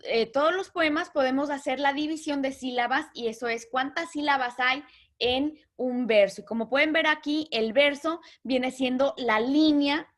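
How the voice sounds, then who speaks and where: A woman teaching a literature lesson, patiently explaining terms and slowly counting out syllables. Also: high-pitched.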